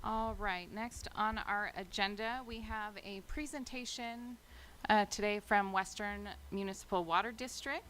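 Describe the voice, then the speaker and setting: A woman with a bright, sharp voice at a middle pitch chairs a public meeting informally. The room recording has clear background noise and small clicks. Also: measured pace. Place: city council chamber.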